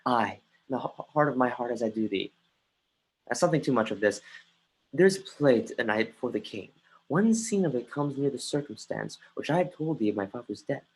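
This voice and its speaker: An earnest, brooding young prince is played by a male actor with a husky, medium-pitched, animated voice in a Shakespeare stage reading. Confiding and earnest, he delivers the lines haltingly, often stumbling and restarting phrases mid-line. The low-quality recording comes from a home computer mic on a livestream.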